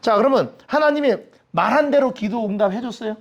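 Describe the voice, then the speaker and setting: Leading a humorous Bible study, a man with a very high voice talks briskly, tossing questions to his audience and performing the voices of those he quotes. His delivery is lively, though the audio sounds dull.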